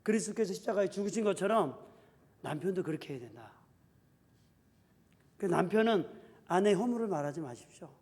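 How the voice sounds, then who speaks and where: High, lively-voiced male pastor preaching. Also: fairly quick, pauses often. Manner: animated preaching, acts out spouses' quarrels in quoted voices. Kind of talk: sermon. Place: church sanctuary. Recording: reverberant church hall.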